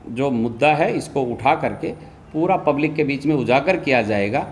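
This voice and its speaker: A man's voice: mid-range voice, slight background noise. A man speaking as a local politician making a statement to reporters, insistent, repetitive and accusatory. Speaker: local politician and anti-corruption campaigner.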